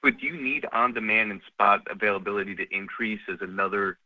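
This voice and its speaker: A man's voice: fairly low pitch, fast, no echo. A male financial analyst asking an informal, wordy question on an earnings call, over a dull line.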